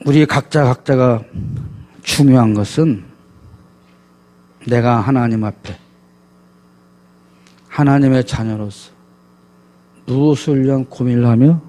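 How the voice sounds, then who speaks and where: A man's voice: mid-range voice, takes it slowly, pauses often, warm tone. A man preaching a sermon as a pastor, emphatic and full of rhetorical questions to his congregation.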